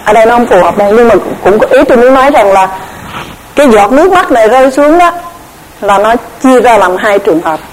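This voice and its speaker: A woman giving a Buddhist dharma lecture, measured and explanatory, often repeating words as she searches for the next one. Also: fairly high pitch, lively intonation, slight background noise, rough recording. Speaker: Buddhist Abhidhamma teacher.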